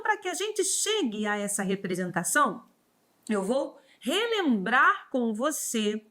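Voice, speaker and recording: A woman's voice: a little high, sharp tone. A Brazilian woman teaching a live online law class. She greets viewers by name and then explains steadily. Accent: Brazilian Portuguese.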